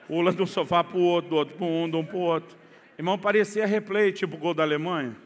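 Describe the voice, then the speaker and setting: Brazilian pastor, middle-aged man, comic sermon story, high-pitched, lively delivery, echoey church hall. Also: fast. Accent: Brazilian Portuguese. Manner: animated, swings from quiet asides to near-shouting.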